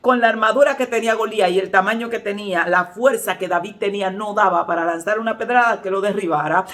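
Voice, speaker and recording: A woman's voice: medium pitch, fast. Dominican woman pastor preaching. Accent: Dominican Spanish. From Dominican Republic. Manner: lively storytelling, acts out quoted voices. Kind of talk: sermon with personal stories.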